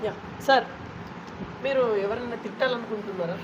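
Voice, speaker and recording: A man's voice: very high-pitched, brisk, a bit bright. A man with a Telangana Telugu accent, a reporter probing interviewees in a street interview, pressing for names. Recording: dull lo-fi outdoor audio with traffic noise.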